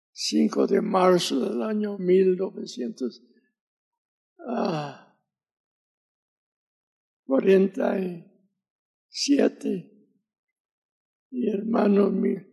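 Old man in his nineties, American accent, fervent sermon, high gravelly voice, slow and husky. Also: mellow, poor audio. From Mississippi, USA. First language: English. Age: 90s. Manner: fervent, deliberate preaching. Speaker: visiting preacher.

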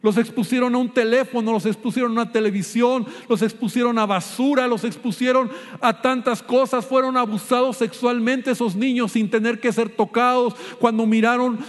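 Male pastor, urgent preaching, high voice, big reverberant church hall. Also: steady tone, moderate pace. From Mexico. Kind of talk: sermon.

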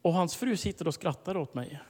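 High-voiced preacher in an echoing hall. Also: male voice, lively intonation, slightly rough. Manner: storytelling with bursts of loud, high emphasis. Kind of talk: sermon. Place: large hall, preaching to a congregation. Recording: long hall reverb.

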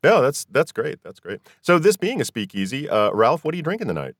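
A man's voice: mid-range voice, big pitch swings, brisk, slightly rough, no echo, studio quality. A man hosting a podcast, chatting casually as he interviews guests. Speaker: podcast host.

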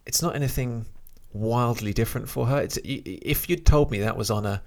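A man in casual chat about music, talking in a relaxed, hesitant way and sometimes reading a short biography aloud. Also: mid-range voice, a little fast.

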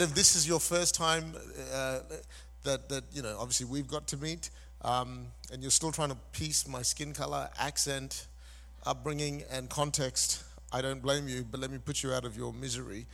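A man's voice: medium pitch, gravelly, fairly bright tone. A middle-aged man from Malaysia preaching as a guest pastor, chatty and self-deprecating with frequent fillers. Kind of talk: sermon with personal story.

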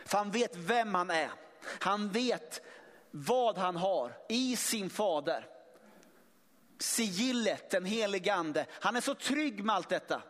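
A man's voice: high voice, animated, a bit bright. A man preaching a sermon, speaking emphatically with many restarts and sudden swells in volume. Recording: long hall reverb.

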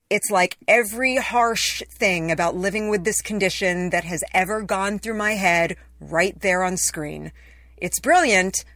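A woman's voice: medium pitch, fairly bright tone, no room sound, clean studio sound. A woman reading her own personal essay as scripted narration, in a conversational, wry storytelling way.

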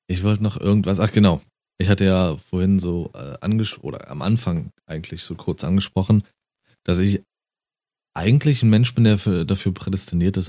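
Low dark-voiced guy, blunt podcast chat, swears a lot, dry sound. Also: dry recording. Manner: blunt, swears casually, laughs often. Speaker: podcast co-host.

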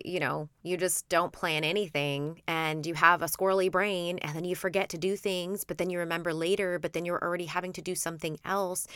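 A woman's voice: on the low side, sharp tone, clear, resonant tone, dry recording, clean studio sound. A woman in her thirties hosting a podcast, chatty and encouraging, her voice a little nasal from allergies. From Florida. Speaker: podcast host. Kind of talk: casual solo podcast talk.

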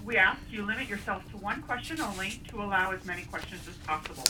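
A woman's voice: medium pitch, expressive, fast talker. A woman making scripted announcements as a conference call operator. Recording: noisy, distant phone-line sound.

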